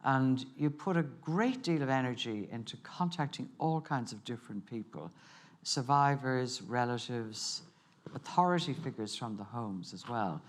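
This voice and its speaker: A man moderates a festival panel. He speaks in an animated, emphatic way and often restarts his sentences. His pitch swings up sharply when he makes a point. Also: measured pace.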